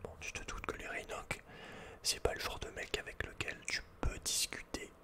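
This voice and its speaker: A man whispering breathily as an ASMR host playing a video game, chatting informally with playful asides. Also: moderate pace.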